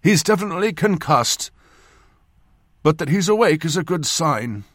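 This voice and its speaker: A man voicing a reassuring old ship's surgeon in an audiobook, talking loudly and briskly to his patient. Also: on the high side, animated, dry recording, studio quality, pitched above the performer's own voice. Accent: northern. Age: older. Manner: loud, reassuring, brisk bedside talk. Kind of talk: audiobook character voice.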